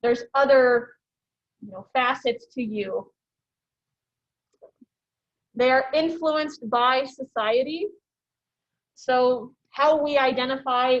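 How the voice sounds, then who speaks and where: High-voiced woman lecturing casually. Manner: chatty, many "you know" fillers and "um"s. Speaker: college instructor. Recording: dull lo-fi lecture recording.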